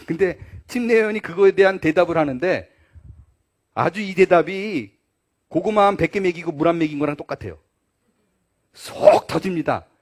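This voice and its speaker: A man's voice: a little high, normal speed, long pauses. A male pastor preaching a sermon, acting out the dialogue of the story as he tells it.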